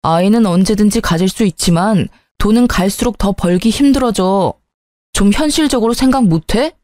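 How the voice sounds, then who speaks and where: A woman voicing an irritable, evasive young husband in a lowered, grumbling voice for a narrated story. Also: normal speed, darkish tone, no room sound, lightly acted. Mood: irritated.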